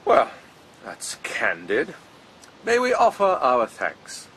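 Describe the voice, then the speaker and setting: An actor playing a proud, witty poet-soldier in a radio drama, speaking with eloquent, wry theatricality. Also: male voice, mid-range voice, wildly swooping pitch, slow pace, fairly bright tone, a little hiss or hum, heavily acted. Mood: coolly sardonic.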